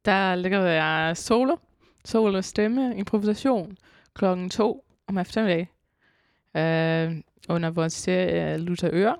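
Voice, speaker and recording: A woman, a composer and vocalist, talking as a guest in a casual radio interview and often pausing to search for words. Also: on the low side, creaky, no echo, studio quality. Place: concert hall.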